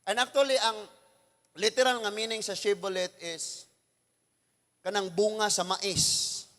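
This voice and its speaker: Male pastor from the Philippines, very high and forceful voice, animated sermon, long hall reverb. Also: unhurried. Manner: animated preaching, mixing in English scripture, bursts of shouting.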